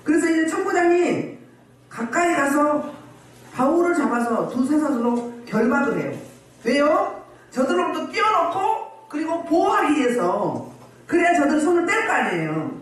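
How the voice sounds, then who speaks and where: A woman pastor preaching a sermon at a healing service. She scolds the congregation and keeps firing rhetorical questions at them. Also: sits high. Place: church hall. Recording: very echoey hall, voice far from mic.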